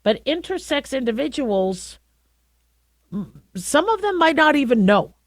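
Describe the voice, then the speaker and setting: Deep-voiced woman radio host. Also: very animated, dry recording. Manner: conversational, halting with many restarts. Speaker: radio talk show host. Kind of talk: opinionated talk radio monologue.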